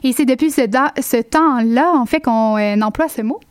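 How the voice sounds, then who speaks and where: A woman's voice: fairly high pitch, moderate pace, dry recording, clean studio sound. A woman hosting a radio magazine, asking curious, prompting questions. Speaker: radio show host.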